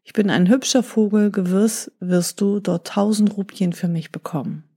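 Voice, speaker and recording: A woman's voice: mid-range voice, fairly even intonation, moderate pace, warm tone, close to an everyday voice. A woman voicing a clever talking parrot. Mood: pleading. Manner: pleading, then smoothly persuasive. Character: clever talking male parrot, polite and persuasive. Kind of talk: storybook reading.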